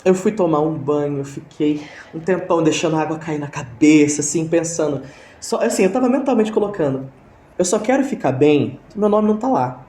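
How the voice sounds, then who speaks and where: Telling a story during a casual video-call interview, this young Brazilian man has a warm voice on the high side, lively intonation, and a fairly quick pace. His Brazilian Portuguese accent comes through as he hesitates, restarts, and leans on fillers. The recording sounds like an echoey room.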